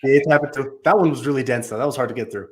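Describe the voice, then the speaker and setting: A man's voice: mid-range voice, racing. A man speaking as a guest on a casual podcast, earnest and enthusiastic, with casual slang. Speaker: podcast guest, business leader.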